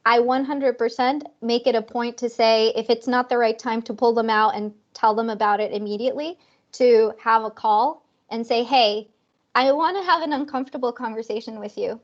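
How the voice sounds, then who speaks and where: A woman's voice: fairly high pitch, fairly even intonation, brisk. Earnest woman panelist on a muffled call. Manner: earnest, reflective, acts out quoted dialogue. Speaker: panelist, investor. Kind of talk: casual panel discussion. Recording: muffled lo-fi video call audio.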